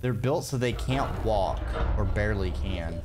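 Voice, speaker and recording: Slow, musing male game streamer. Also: fairly low pitch, background noise. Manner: rambling, musing, hesitant. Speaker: livestreamer playing a video game. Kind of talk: casual game stream commentary.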